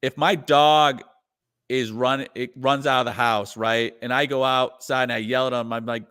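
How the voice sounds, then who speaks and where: Chatting casually as an interview guest, this musician-comedian wanders off track, restarts, and fills the gaps with "you know." He speaks at medium pitch with fairly even intonation and a moderate pace, his tone smooth and a bit bright.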